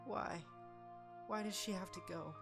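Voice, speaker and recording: A man's voice: sits high, measured pace, gravelly, voice pushed up. A man voicing a grieving young female pony who bawls and wails in a storybook reading. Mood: wailing grief. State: crying. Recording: music behind the voice.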